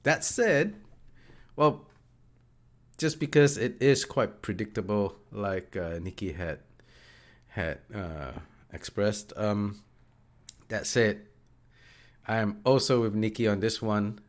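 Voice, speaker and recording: Speaking slowly with frequent pauses, this man has a lowish, expressive voice tinged with nasality from a cold. He's an eager podcast co-host in an easygoing book chat, stumbling over plenty of filler words.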